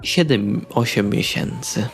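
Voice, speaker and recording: A man's voice: mid-range voice, takes it slowly, gravelly. A man playing a tabletop role-playing game, casually speaking in character and describing his actions. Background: music.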